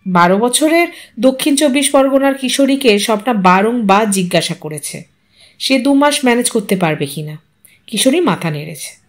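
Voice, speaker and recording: A woman reads an audio story aloud in a measured, expressive way. Her voice sits on the higher side, and her delivery is steady and clear. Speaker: narrator.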